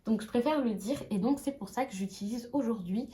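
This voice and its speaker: Chatty woman with a mellow voice. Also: fairly high pitch, a little fast. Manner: chatty, rambling, many fillers. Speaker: tarot card reader. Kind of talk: casual talk to camera.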